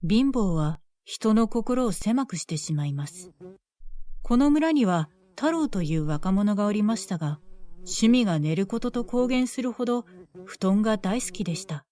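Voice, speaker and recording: A woman telling a folk tale as a bedtime story in a gentle, measured way. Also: medium pitch, animated.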